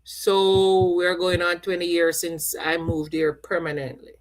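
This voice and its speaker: A woman's voice: lowish voice, level tone, a little slow, poor audio. A middle-aged woman from Jamaica, chatting casually on a live stream and repeating herself as she reads out viewer comments. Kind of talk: casual chat.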